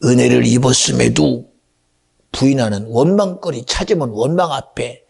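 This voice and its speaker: A male pastor preaching a sermon in church, swinging between hushed whispers and shouted outbursts. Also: mid-range voice, moderate pace, creaky, breathy edge. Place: church sanctuary.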